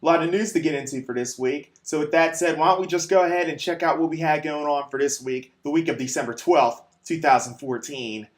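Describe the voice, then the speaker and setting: A man hosting a scripted weekly video game news show, speaking in an emphatic, informal, hyped-up way with dramatic pauses. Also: a little high.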